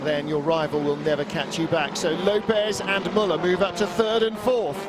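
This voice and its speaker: A race commentator calls a motorsport event live, his high-sitting voice keeping a steady tone at normal speed. He describes the action emphatically, repeating phrases, while loud cars and engines roar in the background.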